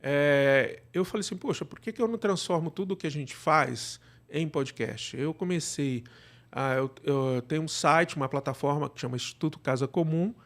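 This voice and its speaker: A middle-aged Brazilian man, an actor and podcast producer, appears as an interview guest and casually tells his story in a wandering way, often adding tag questions. His voice is on the high side at a normal speed.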